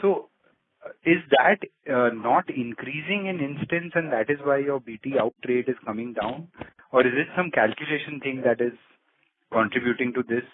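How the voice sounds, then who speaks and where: A man's voice: medium pitch, normal speed. A man asking analytical questions as an analyst on a conference call. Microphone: phone call. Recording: thin phone line, faint noise, clicks.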